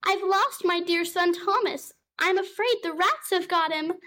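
A fretful mother cat frets and wails in a high, quavering voice, as a woman reading a storybook puts her on. She sounds fussy and distressed, her pitch swooping about as she complains. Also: animated, unhurried, fairly bright tone, full character voice.

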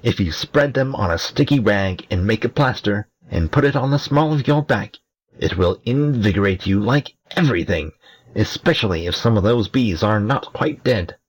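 A man voicing a tiny, lively male imp who teases and mocks, with a husky voice. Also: fairly low pitch, moderate pace, voice pushed up. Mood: mocking. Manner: teasing, mocking.

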